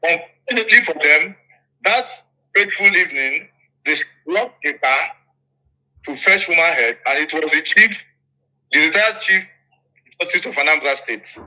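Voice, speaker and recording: A Nigerian man recounts events as an interviewee in a very bright, pressing voice that sits a little high. He speaks emphatically, repeats his phrases for weight and keeps checking that the listener is with him. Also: animated, moderate pace, poor audio. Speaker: interviewee, politician. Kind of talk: interview storytelling.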